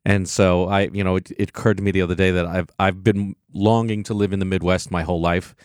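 A man's voice: low voice, level tone, fast talker, darkish tone, dry recording, clean studio sound. A man being interviewed on radio as an actor guest, talking eagerly and often restarting and repeating words.

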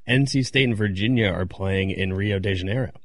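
Lowish man, dry studio sound. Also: fairly quick, dry recording. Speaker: sports show co-host. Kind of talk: casual sports chat.

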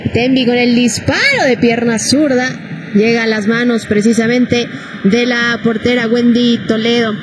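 A woman's voice: fairly high pitch, fairly even intonation, measured pace, noisy background. A woman doing live soccer commentary mixed with casual chat. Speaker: sports play-by-play commentator.

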